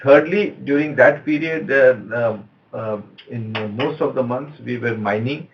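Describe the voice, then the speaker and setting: Indian guy, company exec on earnings call, medium pitch, measured and halting, dull lofi line. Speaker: company executive answering analysts. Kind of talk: earnings call answers, unscripted.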